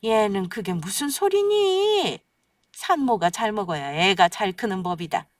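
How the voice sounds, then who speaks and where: A woman's voice: medium pitch, sing-song, a little slow, no room sound, clean studio sound, distant mic. A woman voicing a petty, suspicious older mother-in-law in a radio story, nagging with sarcastic, eye-rolling indignation. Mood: scolding.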